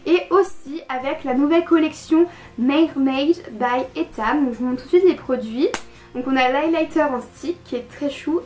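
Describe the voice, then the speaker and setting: A woman with a stuffy, slightly congested voice from a cold. She talks through a makeup tutorial in a fairly high voice, with a chatty, meandering delivery. Frequent "euh" fillers and small hesitations run through her speech. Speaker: beauty vlogger.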